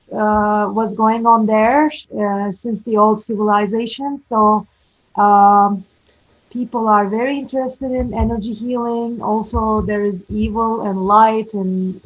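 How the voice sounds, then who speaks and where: A woman from Turkey, a guest who speaks in a soft, agreeable way. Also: a little high, dull audio.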